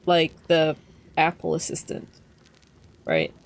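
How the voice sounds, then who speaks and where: A man's voice: a little high, sing-song, slow, gravelly. A young trans man streaming a game from home, chatting casually with lots of fillers and wry asides. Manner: rambling, many fillers, wry. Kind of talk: casual gameplay chat.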